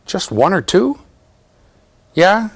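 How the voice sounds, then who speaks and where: A man's voice: high-pitched, sing-song, takes it slowly, vocal fry, slightly rough. A man in his fifties giving a university lecture in a classroom, explaining eagerly and often checking in with "okay?" and "right?". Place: classroom with bookshelves.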